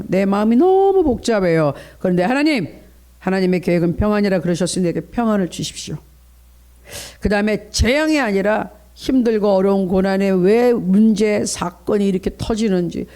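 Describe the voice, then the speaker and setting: A man's voice: very high-pitched, a little mellow. A middle-aged male pastor preaching at a dawn prayer service, earnest, coaching the congregation in how to pray and asking for their responses.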